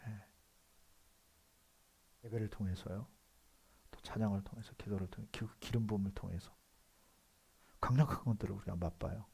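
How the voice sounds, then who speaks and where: Pastor, male, Seoul accent, low husky voice; conversational sermon with quiet asides and loud bursts. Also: fairly even intonation, normal speed, pauses often. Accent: Seoul Korean. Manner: conversational preaching with frequent affirming "yes" asides; swings between soft asides and loud emphatic outbursts.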